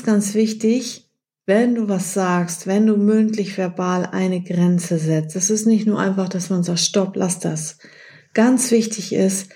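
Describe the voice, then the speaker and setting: A woman's voice: medium pitch, mellow. A woman hosting an advice podcast, talking straight to the listener in a coaching way and acting out short example phrases. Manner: direct, coaching, addresses listener as du. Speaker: podcast host.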